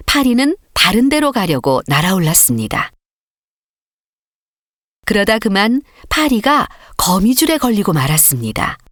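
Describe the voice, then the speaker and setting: Expressive woman reading a storybook. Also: medium pitch, no echo, clean studio sound. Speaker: audiobook narrator. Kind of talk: scripted storybook narration for learner readers.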